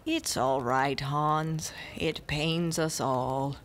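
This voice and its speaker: A woman playing a solemn, wise elderly sister of a village in an audio drama, gentle and measured. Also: sits low, steady tone, a little hiss or hum. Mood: gentle, reverent.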